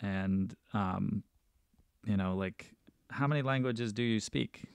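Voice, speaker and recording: Gravelly man hosting a podcast. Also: on the low side, slow pace, dry recording. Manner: warm enthusiastic, rambling with restarts. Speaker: podcast host. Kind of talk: casual interview chat.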